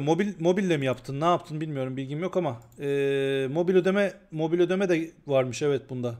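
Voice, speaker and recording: A man's voice: a little high, a little mellow. A man streaming a game live and talking casually, often ranting in exasperation and repeating himself. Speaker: gaming streamer.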